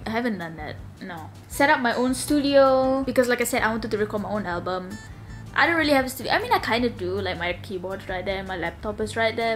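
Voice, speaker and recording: A young woman from Malaysia with a slightly raspy, low voice, chatting casually in a sit-down vlog at home, rambling with lots of fillers. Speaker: vlogger. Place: home room.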